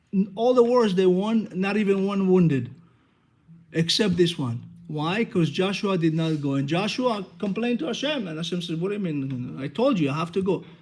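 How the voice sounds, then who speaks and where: With audible room echo, a man talks at a moderate pace in a high voice with lively intonation. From Israel. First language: Hebrew. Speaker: rabbi teaching a Torah class. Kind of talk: religious lecture. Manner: conversational, interactive with class.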